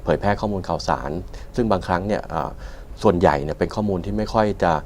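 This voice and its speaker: Male studio guest, very low pitch, hesitant delivery, noticeable background noise. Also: darkish tone. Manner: hesitant, very frequent filled pauses. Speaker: panel guest. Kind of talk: explanatory panel talk. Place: television studio.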